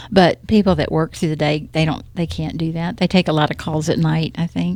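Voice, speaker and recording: A woman's very deep, low voice with vocal fry, fairly quick pace and fairly even intonation. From Arkansas. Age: 70s. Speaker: city council member. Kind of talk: casual interview. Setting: studio.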